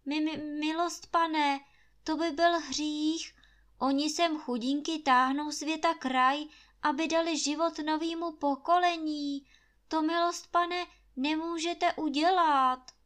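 A woman's voice: mid-range voice, natural voice. A woman reading a storybook and voicing a timid, stammering gamekeeper who pleads humbly with his master. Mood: pleading.

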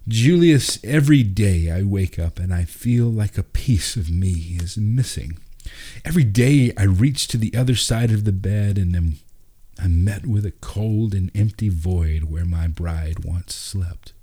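A man voicing a grieving, hopeful widowed father in a storybook, heartfelt, measured and reflective. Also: low-pitched, warm tone, husky. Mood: sorrowful. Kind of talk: storybook dialogue reading.

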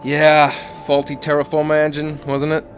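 A man acts a worried, fussy insurgent middleman in a sci-fi audio drama. His voice sits fairly high, arguing hesitantly over faint background music. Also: completely flat delivery, moderate pace, lightly acted. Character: anxious, fussy male insurgent go-between haggling over contraband.

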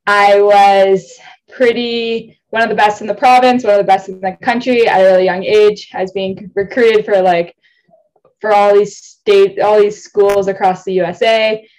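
A woman's voice: mid-range voice, steady tone, moderate pace, darkish tone, low-quality recording. Young canadian woman guest on a video call, chatty and self-deprecating, laughs a lot. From Ontario, Canada. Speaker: guest athlete. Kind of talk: casual interview.

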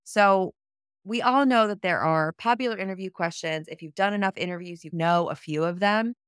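A woman giving career advice as a vlog host, speaking in an upbeat, tidy, organized way with a clear, smooth voice. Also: mid-range voice, moderate pace, no room sound, clean studio sound. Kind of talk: scripted-sounding advice vlog to listeners.

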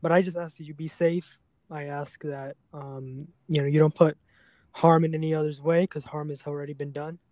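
Halting, somber man with a mellow voice. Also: a little high, flat delivery, no room sound. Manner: halting, hesitant, repeats words. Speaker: podcast host. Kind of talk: serious, unscripted podcast conversation.

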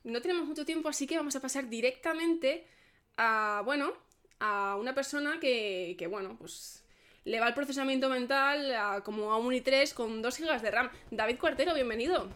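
A woman's voice: high-pitched, normal speed, fairly bright tone. Bubbly woman hosting. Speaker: podcast host. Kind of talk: casual chat.

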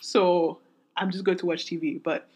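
Raspy-voiced young woman rambling candidly. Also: fairly low pitch, flat delivery, normal speed, darkish tone. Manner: rambling, self-interrupting, candid. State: voice strained from singing. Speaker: podcast host. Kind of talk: solo podcast rant.

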